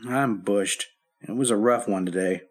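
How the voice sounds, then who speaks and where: A man's voice: fairly low pitch, moderate pace, natural voice. An actor playing a weary husband in his thirties in an old-time radio drama, sighing and downbeat. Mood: tired, downbeat. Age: 30s.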